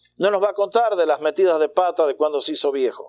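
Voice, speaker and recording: A man speaking against a quiet background. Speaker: Bible teacher. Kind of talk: Bible lecture to a live audience.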